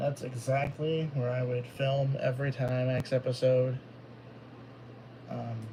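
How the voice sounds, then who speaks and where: Very slow speech from a man with a medium pitch, with noticeable background noise. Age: 20s. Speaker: youtuber. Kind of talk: casual livestream chat. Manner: halting, many fillers.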